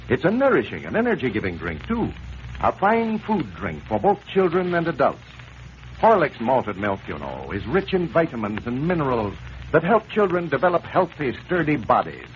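Old-time radio announcer with a swooping delivery. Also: male voice, on the high side. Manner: smooth, emphatic sales delivery. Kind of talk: 1930s radio sponsor announcing and story recap. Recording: old lo-fi radio transcription with hiss.

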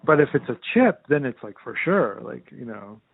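A man's voice: medium pitch, big pitch swings, normal speed, gravelly. A man in casual chat, telling stories in a sarcastic, profane way full of fillers. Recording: tinny phone-like sound.

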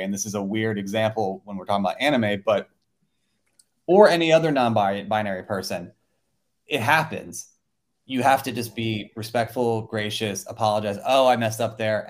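A man co-hosting a podcast, thinking aloud earnestly and summing up the discussion. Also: lowish voice. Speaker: podcast co-host. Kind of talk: casual podcast chat.

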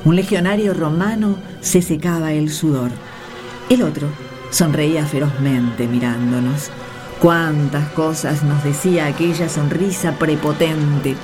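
A woman's voice: deep voice, measured pace, over music. A woman playing a grown daughter who narrates grim memories solemnly in a radio play. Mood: solemn, vivid. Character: caravan leader's grown child recounting grim memories. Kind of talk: dramatic first-person narration in a radio play.

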